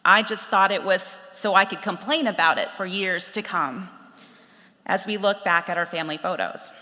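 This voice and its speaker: Woman, middle-aged, bright tone, long hall reverb, measured reflective storytelling. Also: lowish voice. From Texas, USA. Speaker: speaker telling a personal story. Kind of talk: reading a personal essay aloud.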